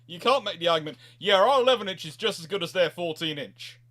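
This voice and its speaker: Guy hosting a history q&a stream, voice a bit high, rambles and rewords as he explains. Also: expressive, quick pace, fairly bright tone. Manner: rambling, self-correcting explanations. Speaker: livestream host. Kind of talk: naval history question-and-answer chat.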